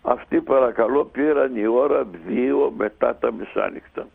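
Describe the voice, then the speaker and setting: A man telling a long anecdote as a radio guest, in a lively, unhurried way. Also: medium pitch. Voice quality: gravelly and husky. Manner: lively, animated retelling with many pauses. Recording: tinny phone line on radio.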